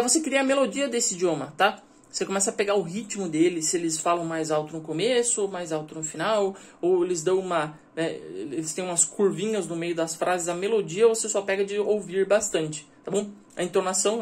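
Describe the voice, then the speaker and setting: Man, language vlogger, relaxed conversational delivery with frequent check-ins. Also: high-pitched. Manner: chatty, checks in with the listener often. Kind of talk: casual educational vlog.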